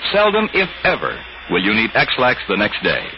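Chipper 1950s radio ad man, lively pitch. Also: moderate pace. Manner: polished, emphatic salesman delivery. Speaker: commercial announcer. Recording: muffled, noisy old radio broadcast.

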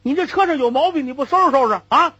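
A man voicing an indignant male passenger who sputters and shouts his complaints. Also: very high voice, rapid-fire, no echo, dull audio, voice pushed up. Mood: outraged. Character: indignant young male passenger, easily riled.

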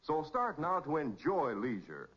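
An American male announcer delivers scripted lines in emphatic 1940s radio style. His voice is fairly high, husky and wide-ranging, on a dull vintage recording. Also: wildly swooping pitch, measured pace, fairly bright tone. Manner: dramatic, emphatic. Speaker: announcer and narrator.

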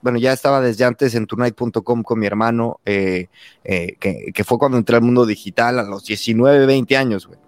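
A Mexican man in his thirties, a podcast host telling his story in a relaxed chat, acting out quoted lines with lively voices. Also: mid-range voice, fairly quick, dry recording. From Mexico, San Luis Potosí. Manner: animated, acts out quoted dialogue, says güey constantly. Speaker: podcast host being interviewed. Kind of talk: casual conversation.

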